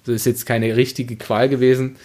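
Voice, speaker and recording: A man's voice: mid-range voice, flat delivery, moderate pace, a little mellow. Man reviewing books in casual conversation. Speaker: podcast host. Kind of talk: casual book review discussion.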